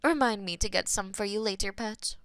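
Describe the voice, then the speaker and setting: A woman voicing a possessive, teasing female demon mistress who is smug and powerful, dropping at times to soft whispers. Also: mid-range voice, smooth, lightly acted. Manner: teasing, slow and purring, drops to soft whispers. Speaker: voice actor in an audio roleplay. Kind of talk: audio roleplay acting.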